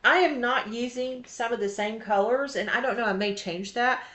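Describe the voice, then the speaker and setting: Chatty, bright-voiced woman stitching vlogger. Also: on the high side, normal speed. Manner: chatty, rambling, laughs often. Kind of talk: casual show-and-tell chat.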